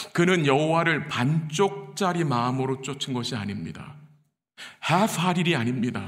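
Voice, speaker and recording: A man with a fairly high pitch talks at a very slow pace, his intonation lively. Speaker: pastor. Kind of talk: sermon preaching, mixing Korean with English terms. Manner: earnest, explanatory, addressing congregation.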